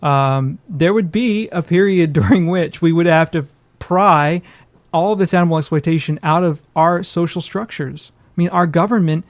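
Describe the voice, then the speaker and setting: A man's voice: on the high side, moderate pace, no room sound. A man co-hosting a podcast, talking casually and emphatically about his opinions. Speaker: podcast co-host.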